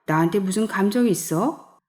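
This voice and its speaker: A woman's voice: mid-range voice, moderate pace, a little mellow, lightly acted. Woman reading as a bossy, needling male friend. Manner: commanding, needling. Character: pushy bossy middle-aged male friend.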